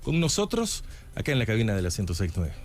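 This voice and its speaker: Low-voiced radio host. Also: male voice, huge pitch swings, fast talker, soft background music. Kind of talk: radio interview. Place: radio studio booth.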